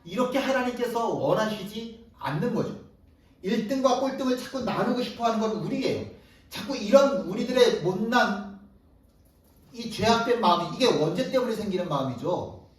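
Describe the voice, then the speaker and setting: High-voiced pastor preaching in an echoey hall. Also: male voice, normal speed. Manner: animated storytelling, acting out disciples' voices. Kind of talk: sermon. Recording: echoey hall, distant mic.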